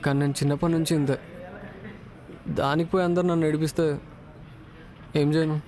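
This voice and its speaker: Fast, whiny young man. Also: on the high side, steady tone, a little mellow. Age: young adult. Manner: whiny, self-pitying complaints. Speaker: office employee. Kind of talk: comedy sketch acting.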